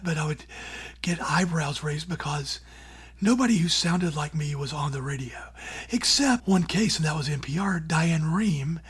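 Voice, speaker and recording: A middle-aged man who hosts a radio show, answering interview questions in a breathy, raspy, near-whispered voice, earnest and plainspoken with casual fillers. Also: fairly high pitch. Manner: earnest and plainspoken, with many "you know" and "like" fillers. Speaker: radio show host and former newspaper columnist.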